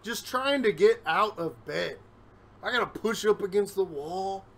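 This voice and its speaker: A man's voice: high voice, expressive, a little slow, a bit bright. A man rambling candidly in a casual solo vlog, recording himself on a phone at home, a little out of breath. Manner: rambling, candid, self-deprecating. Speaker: vlogger. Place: his home. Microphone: phone camera, recording himself.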